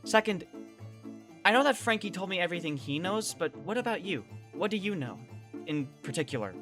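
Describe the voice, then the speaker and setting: An anxious young survivor woman played by an actor tells her story in an audio drama with a dry, sardonic edge. Her pitch moves around a lot, and music plays behind her. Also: animated, brisk, fairly bright tone, lightly acted. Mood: uneasy, questioning. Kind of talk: first-person audio drama narration and dialogue.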